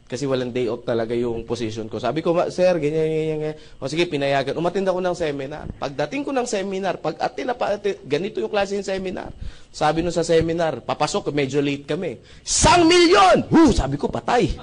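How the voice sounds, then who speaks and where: A young man from the Philippines giving an animated testimonial at a seminar, acting out conversations and often asking the audience to agree. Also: a little high, quick pace. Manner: acts out dialogue with shifting voices, asks audience often. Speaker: seminar speaker.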